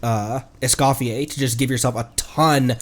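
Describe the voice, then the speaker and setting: A man's voice: mid-range voice, fairly even intonation, normal speed, a little hiss or hum. A man giving casual, rambling live game commentary and chatting playfully with viewers. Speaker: game streamer, VTuber.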